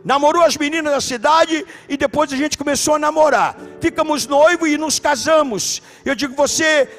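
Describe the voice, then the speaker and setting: A man with a Brazilian Portuguese accent, a pastor telling stories in an animated sermon and shouting at key points. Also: very high voice, normal speed. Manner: animated preaching, shouts for emphasis. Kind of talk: sermon with storytelling. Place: church.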